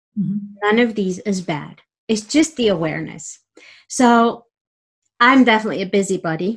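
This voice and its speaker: With lively intonation and a somewhat breathy voice, a woman talks at a moderate pace, leaving long, frequent pauses. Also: medium pitch for a woman. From Romania (Transylvanian German minority). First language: German. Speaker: coach. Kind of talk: casual chat.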